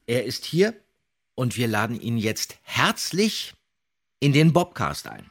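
A middle-aged man with a husky voice, explaining emphatically as a podcast host. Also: mid-range voice, wildly swooping pitch, slow pace. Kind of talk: animated podcast discussion.

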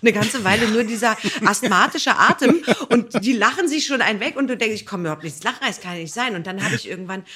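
A woman's voice: medium pitch, lively intonation, quick pace, hardly any pauses, pushed and bright, breathy edge. A woman in a casual podcast chat, explaining and telling anecdotes in a conversational way. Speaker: podcast guest, voice actress.

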